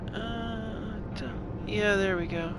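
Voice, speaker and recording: A woman's voice: mid-range voice, slow. A congested woman hosting a game video, thinking aloud in casual commentary and wandering through her plans with lots of fillers. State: congested from sinuses. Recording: steady background noise.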